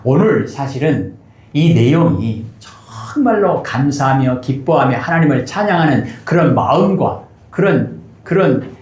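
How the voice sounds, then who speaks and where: A man's voice: mid-range voice, a little mellow. A middle-aged man preaching as a pastor, telling a story candidly and breaking into emphatic outbursts. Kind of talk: sermon. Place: church sanctuary. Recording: echoey church hall.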